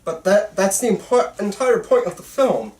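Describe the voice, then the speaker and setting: Someone doing an intense bitter teenage boy at a script read, swingy pitch, echoey and far from mic. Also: big pitch swings, moderate pace, a little mellow, natural voice. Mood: defensive. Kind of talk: amateur screenplay table read. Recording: roomy, distant mic.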